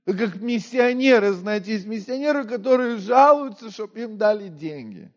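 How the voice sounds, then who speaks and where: A man from Moldova preaching a sermon in a conversational way, asking his listeners questions and often dropping to a quiet voice. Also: high voice, expressive, normal speed, dull audio. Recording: long hall reverb.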